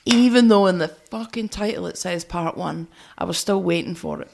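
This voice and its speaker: A woman's voice: on the low side, moderate pace, creaky, darkish tone. A woman co-hosting a music podcast, chatting and reviewing in a blunt, teasing way with some swearing. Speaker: podcast co-host.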